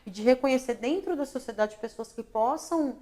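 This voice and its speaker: A woman's voice: a little high, normal speed, mellow. Brazilian woman, thoughtful interview guest. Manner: thoughtful, with frequent "né?" and restarts. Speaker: guest, actress, director and lighting designer. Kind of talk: casual interview talk. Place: local talk show broadcast on social media.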